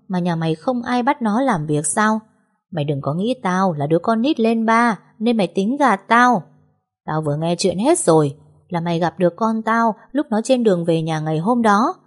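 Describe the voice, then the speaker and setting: A woman voicing a harsh older mother-in-law, sharp and contemptuous. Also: medium pitch, close to an everyday voice.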